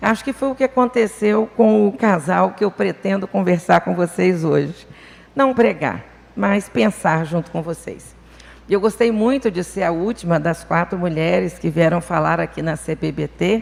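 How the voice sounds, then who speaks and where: Her pitch fairly low, a woman talks at a moderate pace with vocal fry and lively intonation. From Brazil, Espírito Santo (Vitória). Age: 60s. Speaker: psychologist, guest speaker at church. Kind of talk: church talk / reflective lecture.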